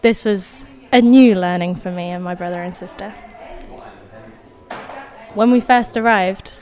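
A medium-pitched woman, born in Indonesia with Indonesian as her first language, relates a personal story slowly and wryly, letting out soft laughs along the way.

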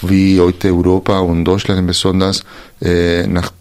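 Low voiced guy hosting an interview, lots of umms and restarts. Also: completely flat delivery, measured pace, darkish tone. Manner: hesitant, searching for words, many fillers and restarts. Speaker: interview host. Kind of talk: reflective interview talk.

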